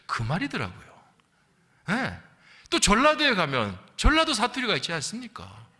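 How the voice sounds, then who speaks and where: A man's voice: sits high, huge pitch swings, moderate pace, bright, forceful tone. A middle-aged man from the Gyeongsang region of South Korea preaching a sermon as a pastor, in a conversational storytelling way with rhetorical questions. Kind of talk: sermon with anecdotes and acted-out quotes. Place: large reverberant church hall. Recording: long hall reverb.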